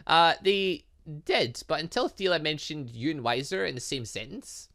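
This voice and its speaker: A man's voice: a little high, animated, moderate pace, gravelly, fairly bright tone. A man hosting a game playthrough, reading dialogue aloud and commenting in a theatrical, exclamatory way. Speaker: gaming video host.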